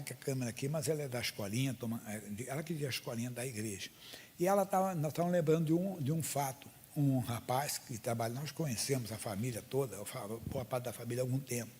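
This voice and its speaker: Brazilian male pastor, husky, preaching with rising emphasis, echoing church hall. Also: darkish tone. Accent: Brazilian Portuguese. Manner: emphatic, storytelling preacher, pitch rising on key points. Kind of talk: sermon. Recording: long hall reverb.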